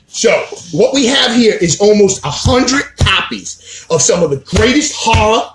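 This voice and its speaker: A man with a very high, lively voice hypes up a joke sales pitch, shouting and bantering. The sound is roomy and echoey, with clear background noise throughout. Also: a little slow. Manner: loud, boisterous, hyped, shouting. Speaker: mock shopping channel pitchman.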